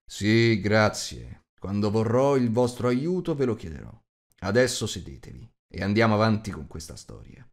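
Man doing Beorn, a loud gruff giant. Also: on the low side, lively intonation, moderate pace. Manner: blunt, growling, impatient. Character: gruff huge rude shape-changer man.

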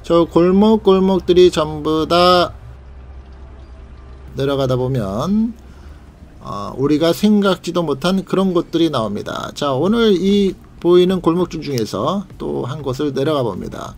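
A man's voice: a little high, expressive, a little slow, darkish tone. A man hosting a travel vlog, narrating a leisurely tour in a guide-like way and pointing out sights. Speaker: vlog host.

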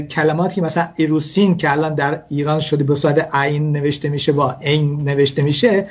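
A man's voice: fairly high pitch, darkish tone, breathy edge, highs cut off. A man explaining religious wedding customs in a talk show, hesitant, with many fillers and restarts. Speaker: guest speaker on Jewish customs.

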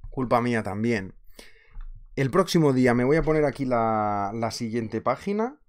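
A man in his thirties with a Spain Spanish accent, teaching a live online trading class in a chatty, animated way, laughing often, from a small office on a webcam. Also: medium pitch, normal speed. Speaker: trading instructor. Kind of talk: casual live webinar teaching.

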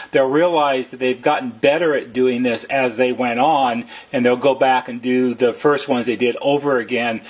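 A man with a slightly husky voice narrates a how-to as a service technician, explaining plainly and methodically, step by step. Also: mid-range voice. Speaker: service technician giving a tutorial.

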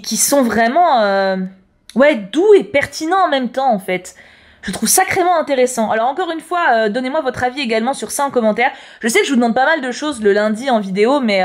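A woman chatting casually as she reads tarot horoscopes, slangy and prone to repeating words. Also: a little high. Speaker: YouTuber reading tarot horoscopes. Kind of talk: casual chat.

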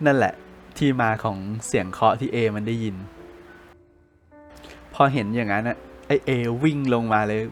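A man casually telling a ghost story for a podcast, chatting like a friend with loose slang. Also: mid-range voice.

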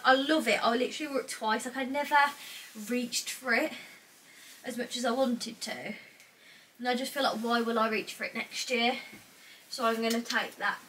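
Young woman, British accent, bright and a touch high, stuffy cold voice, rambling casual chat, distant mic in a small bedroom. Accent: British English. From England. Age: young adult. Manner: chatty, thinks out loud, frequent "like". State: slightly congested with a cold. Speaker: vlogger. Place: small cluttered bedroom wardrobe room indoors. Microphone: camera across the room. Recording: distant mic, faint noise.

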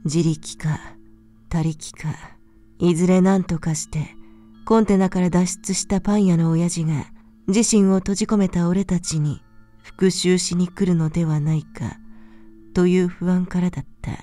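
Female horror narrator, calm and soft, slightly low mellow voice for bedtime ghost stories. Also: a little slow, soft background music. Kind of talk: scripted narration of a ghost story.

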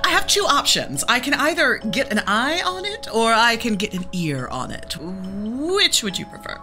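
A woman playing an earnest seer in a fantasy role-play game, thoughtful and deliberate. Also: fairly high pitch, very animated, sharp tone, soft background music. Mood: earnest, intent. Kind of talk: in-character tabletop role-play.

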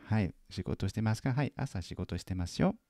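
A man teaching French in a lesson video, patiently correcting a student's homework and repeating French phrases slowly and carefully. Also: lowish voice, expressive, mellow, no echo, studio quality.

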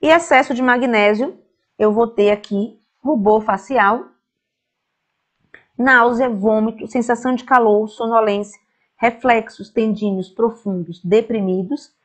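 A woman's voice: fairly high pitch, steady tone, a little slow. A woman with a Brazilian Portuguese accent teaching an online nursing exam-prep lecture. She explains step by step and often checks in with "tá?". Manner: reassuring and direct toward students.

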